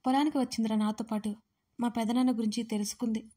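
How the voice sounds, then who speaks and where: A woman voicing a frantic young man who pleads in a rushed, panicked way for help with his sister. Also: on the high side, fairly even intonation, warm tone, natural voice.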